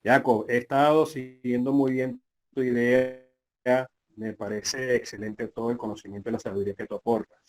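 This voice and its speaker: A man's voice: medium pitch, steady tone, moderate pace. A man from Venezuela, joining an online class and speaking courteously at length. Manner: courteous, long winding remarks. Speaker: participant asking a question. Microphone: video call.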